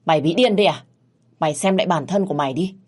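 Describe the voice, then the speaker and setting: A woman's voice: on the low side, racing, a little mellow, lightly acted. A woman voicing a furious older man, master of the house, who scolds harshly in a told story.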